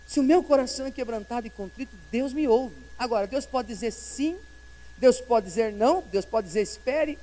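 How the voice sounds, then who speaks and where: A Brazilian man preaches with a notably high voice in a church sanctuary. His delivery swings from hushed to fervent. A long hall reverb trails every phrase. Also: moderate pace. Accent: Brazilian Portuguese. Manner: impassioned, swinging between soft and loud. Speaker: guest pastor. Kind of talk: sermon.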